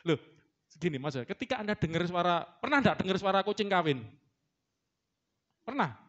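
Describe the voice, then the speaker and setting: A man's voice: high voice, big pitch swings, normal speed, fairly bright tone, lo-fi sound. A middle-aged man preaching a sermon in a church, joking with the congregation and imitating animal sounds. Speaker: pastor. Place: church hall.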